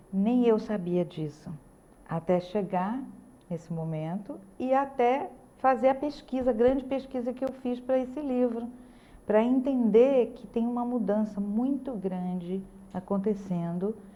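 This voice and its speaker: A woman speaks at a fairly slow pace with lively intonation and a dark, mellow tone. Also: fairly high pitch for a woman. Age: 60s. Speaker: journalist and author. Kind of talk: interview.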